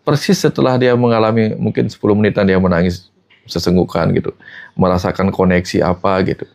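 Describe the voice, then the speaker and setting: A man's voice: low voice, fairly even intonation, fairly quick, gravelly, a little mellow. A man in a casual spiritual talk, telling stories and often addressing his host by name. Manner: storytelling, repeats the host's name often; quotes people in the story. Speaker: spiritual teacher.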